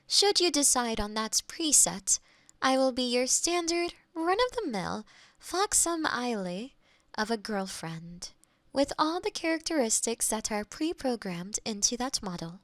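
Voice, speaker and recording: On the high side and fairly bright, with big pitch swings, a woman performs a scripted ASMR roleplay as a literal, eager-to-please AI girlfriend. She talks formally and helpfully in a measured, robotic way, close on a binaural microphone, and there is no room sound.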